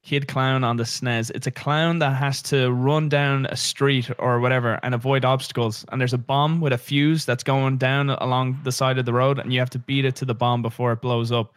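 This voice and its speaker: A young man with a Dublin Irish accent talks in a relaxed, casual podcast chat. His voice is clear and smooth, sitting at an ordinary pitch. It is recorded close and dry, with no room sound around it. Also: normal speed, few pauses, no echo. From Ireland. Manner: easygoing, swears freely, trails off into quiet asides. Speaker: podcast co-host.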